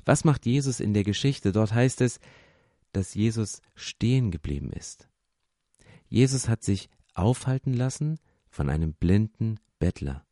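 A man's voice: on the low side, lively intonation, measured pace, warm tone, no echo, studio quality. A man preaching a sermon as a pastor, impassioned and speaking directly to the listener.

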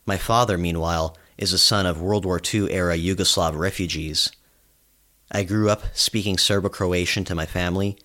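A man in his mid-twenties from Canada, reading a measured, reflective scripted commentary as a reporter. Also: low voice, fairly bright tone. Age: 20s.

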